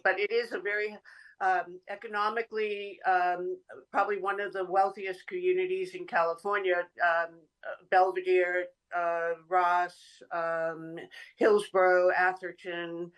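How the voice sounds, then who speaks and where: A woman's voice: on the low side, poor audio. A woman from New England hosting a podcast interview, thinking aloud and searching for words. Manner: thoughtful, searching for words with many "um"s. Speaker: podcast host. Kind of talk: conversational interview.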